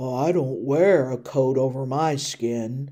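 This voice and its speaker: A put-on character voice, croaky and pitched low-to-middle. It moves at a fairly slow pace. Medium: read story. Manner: croaking.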